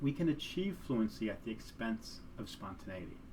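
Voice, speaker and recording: There is audible room echo around this man's medium-pitched voice. He speaks at a moderate pace with vocal fry. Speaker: professor. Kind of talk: lecture. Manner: formal.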